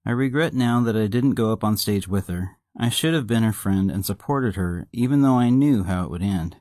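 A man's voice: fairly low pitch, animated, normal speed, a little mellow, dry recording. A man narrating a horror story in a somber, reflective tone. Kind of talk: scripted narration. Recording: narration over music.

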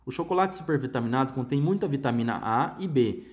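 A man's voice: medium pitch, animated, fast, close to an everyday voice. A man voicing an eccentric, unflappable chocolate-maker in a read-aloud story, rattling things off breezily. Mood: breezy.

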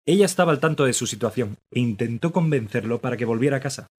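A man's voice: medium pitch, lively intonation, fast talker, darkish tone, natural voice. A man playing a middle-aged forensic doctor who talks in a dry, matter-of-fact way. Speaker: forensic pathologist. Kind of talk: radio drama acting.

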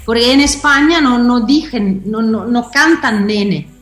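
Woman guest talking slow, stops to hunt for words, echoey room with faint music behind. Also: on the high side, a bit bright. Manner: hesitant, searching for words. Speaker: interviewed guest. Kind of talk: casual interview talk.

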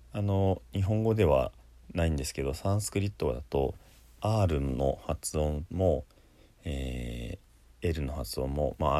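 A man with a very deep, dark voice teaches pronunciation at an unhurried pace. He sounds out each syllable several times over, pausing often between phrases, in a mellow, relaxed delivery. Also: no echo. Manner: demonstrates sounds by repeating syllables, unhurried with frequent pauses. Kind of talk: spoken pronunciation lesson.

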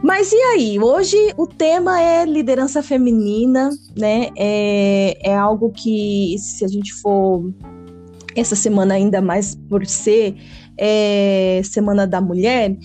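A woman's voice: mid-range voice, takes it slowly, warm tone. A woman with a Brazilian Portuguese accent hosting a casual Christian podcast, chatty and full of tag questions. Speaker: podcast host. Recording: faint background music.

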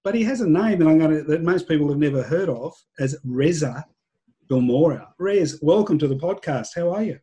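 A man's voice: a little high, expressive, brisk, warm tone. A man hosting a podcast, welcoming a guest and asking about his background with reflective asides. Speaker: podcast host. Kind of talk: interview hosting.

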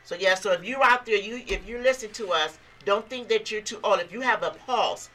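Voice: medium pitch, brisk, bright, forceful tone, rough recording. A radio host in Christian radio talk, speaking emphatically and repeating key phrases to listeners.

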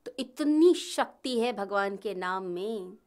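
Slow-preaching woman giving a devotional talk. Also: medium pitch, animated, darkish tone. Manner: slow, measured preaching with rising and falling emphasis. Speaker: spiritual speaker. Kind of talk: devotional discourse.

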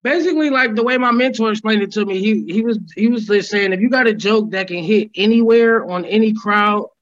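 A man, a stand-up comedian, chatting casually on a podcast in a relaxed, slangy way. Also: sits high, a little fast, no echo. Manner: relaxed slangy storytelling, laughs often. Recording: slightly dull lo-fi sound.

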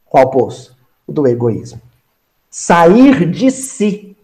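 A man with a Brazilian accent teaching a Spiritist gospel study, animated, acting out small scenes and repeating phrases for emphasis. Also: on the high side, slow. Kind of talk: spoken gospel study lesson.

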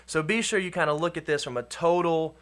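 Measured man giving investment advice. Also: fairly high pitch, fairly bright tone. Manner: measured, advisory, slight stammer on repeated words. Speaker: co-host and financial advisor. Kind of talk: conversational radio-style advice.

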